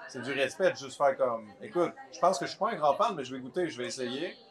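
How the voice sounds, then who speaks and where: A man's voice: mid-range voice, expressive, quick pace. A man, a rapper guest with a Québécois French accent, chatting in a laid-back way and saying "man" often. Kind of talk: casual chat. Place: restaurant.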